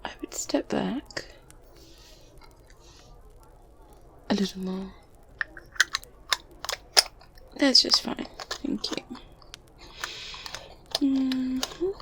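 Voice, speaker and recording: Woman acting a slow, whispering kindly witch. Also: sits high, exaggerated voice. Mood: absorbed, calm. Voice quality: soft, breathy whispering. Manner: gentle, deliberate, murmuring with small hums. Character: kindly, unhurried medieval witch at her grimoire. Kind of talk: softly spoken, whispered ASMR roleplay.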